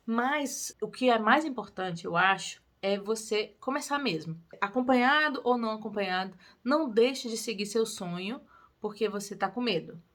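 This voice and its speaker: Encouraging singing teacher woman. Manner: lively and encouraging, with quick pitch lifts on emphasis. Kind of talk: casual tutorial talk to camera.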